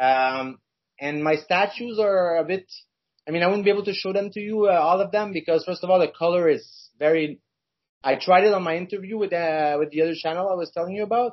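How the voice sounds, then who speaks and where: In a strong Quebec accent, a man speaks at a high pitch with ordinary pitch variation. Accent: thick French Canadian. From Quebec, Canada. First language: French. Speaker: brand owner and collector guest. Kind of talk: casual interview chat.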